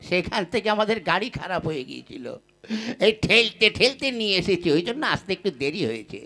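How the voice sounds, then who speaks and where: A man's voice: sits high, very animated, fast, pushed and bright, heavily acted. A man playing a henpecked, boastful young labourer in love in a Bengali folk puppet comedy, with wheedling, blustering patter. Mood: placating.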